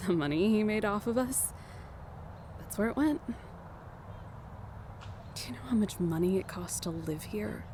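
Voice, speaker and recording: A woman's voice: medium pitch, expressive, measured pace, long pauses, natural voice. A woman acting a weary, protective young leader of fugitives in an audio drama, with a subdued, serious delivery. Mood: grave, bitter. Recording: noisy outdoor ambience bed.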